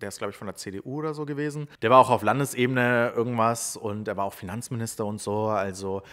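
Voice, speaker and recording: A man's voice: on the low side, fairly even intonation, fast talker, a bit bright. A young man doing casual news commentary, chatty and sarcastic, with many fillers. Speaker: commentary YouTuber.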